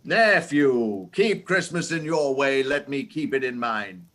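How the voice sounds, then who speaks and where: An actor playing a miserly, scornful old uncle in a radio play, with a curt, grumbling delivery. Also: male voice, mid-range voice, lively intonation, unhurried, fairly bright tone. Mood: scornful, irritable.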